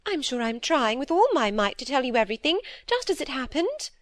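A timid old spinster lady, as a woman narrator puts her on, her voice lifted high and quavering with worry. She pleads and frets in a fluttering rush, on the edge of tears. The sound is dry and close. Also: very animated, fairly quick, no echo. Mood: fretful.

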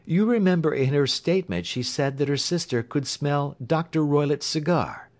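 A man voicing a sharp-minded male detective, speaking in a crisp, explanatory manner. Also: on the high side, normal speed, pitched above the performer's own voice, natural voice. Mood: intense. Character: Holmes, sharp reasoning male detective, adult.

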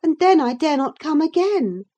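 A woman's voice: sits high, sing-song, moderate pace, warm tone, pitched above the performer's own voice. A woman voicing a headstrong, coaxing teenage girl in an audiobook reading, speaking eagerly and emphatically. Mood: pleading.

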